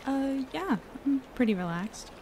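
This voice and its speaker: An actress playing a relaxed, reassuring young woman in a naturalistic audio drama. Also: high voice, unhurried, a little hiss or hum.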